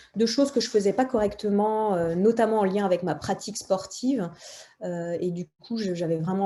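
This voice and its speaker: Her voice has a dark, mellow tone at a medium pitch. The woman keeps a moderate pace with ordinary pitch variation. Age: 40s. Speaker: naturopath. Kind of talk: webinar presentation. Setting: online webinar. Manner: hesitant, many filler words.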